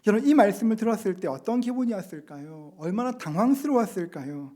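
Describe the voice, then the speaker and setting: A middle-aged man preaching a sermon as pastor, earnestly explaining scripture and slowing down to read passages aloud. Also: high voice, lively intonation, warm tone. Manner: earnest, slows to read scripture and act out quotes. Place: church sanctuary.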